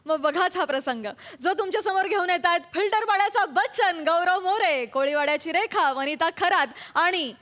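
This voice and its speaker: High-voiced Marathi woman announcer. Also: moderate pace, hardly any pauses, a bit bright. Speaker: show presenter. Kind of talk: scripted show introduction.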